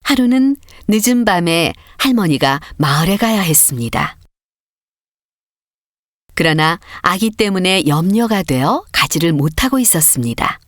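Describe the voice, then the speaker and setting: A woman's voice: fairly low pitch, animated, measured pace, no room sound, clean studio sound. A woman narrating a children's story as a scripted audiobook reading.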